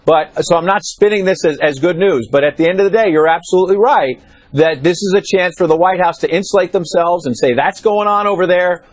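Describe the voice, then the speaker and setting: A man reporting from the White House on a cable news panel, explaining in a measured way with frequent fillers. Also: on the high side, no echo. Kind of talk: live news panel analysis. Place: studio or remote link from Washington.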